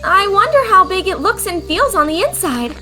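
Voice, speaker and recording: Woman playing a very high, chirpy young tourist. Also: very animated, moderate pace, bright, forceful tone, faint music behind, heavily acted. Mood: curious. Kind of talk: fan audio drama acting.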